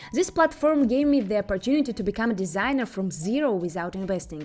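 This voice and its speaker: A woman's medium-pitched voice in a Ukrainian accent, swinging very widely in pitch, with music in the background. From Ukraine, Kyiv. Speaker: product designer and vlogger. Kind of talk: personal vlog monologue.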